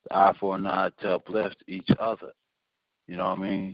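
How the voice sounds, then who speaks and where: The man's pitch is very deep and low. He speaks at a moderate pace. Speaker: poet. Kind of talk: casual discussion. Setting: phone call.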